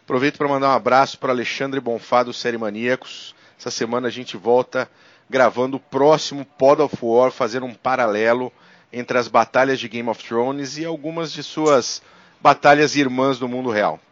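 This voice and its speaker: A man's voice: medium pitch, steady tone, moderate pace, no room sound. Male podcast host, Brazilian, conversational presenter delivery, very dry and slightly muffled sound. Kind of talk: podcast introduction and casual talk.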